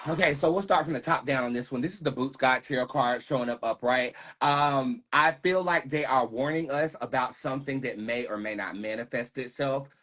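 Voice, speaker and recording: A man with a medium-pitched, slightly rough and husky voice hosts a tarot reading. He talks in a casual, unscripted way, leaning hard on key words. His manner is earnest and conspiratorial. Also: fairly quick, few pauses, a bit bright. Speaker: tarot reader and host.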